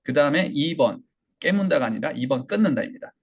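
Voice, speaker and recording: Male English pronunciation tutor, Korean accent, gravelly husky voice, drills example words aloud. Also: a little high, lively intonation, fairly quick, lo-fi sound. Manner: demonstrates sounds, repeats example words, rhetorical questions. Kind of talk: online English lesson.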